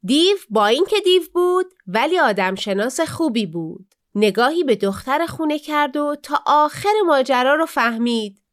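A woman narrating a children's story in Persian, lively and acting out the characters' voices. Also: high voice, few pauses.

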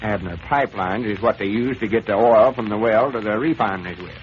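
An actor playing a self-assured old country storekeeper who patiently explains things in a drawling rural dialect, in a 1930s radio comedy. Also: male voice, on the low side, a little fast, natural voice. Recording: old lo-fi radio transcription with hiss.

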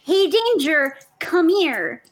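Slow, high-voiced woman. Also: very animated. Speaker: tabletop game player. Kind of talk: casual chat.

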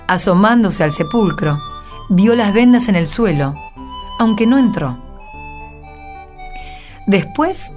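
An Argentine woman narrates from a script in a slightly low voice. Her reading is measured and solemn, with soft guitar music behind it. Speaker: narrator and Gospel reader.

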